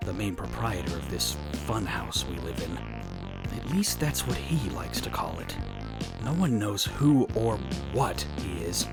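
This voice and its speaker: Man voicing a low, brooding antihero over music. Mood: dry, exasperated. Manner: formal, deadpan, wry. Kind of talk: scripted first-person narration in a fan audio drama.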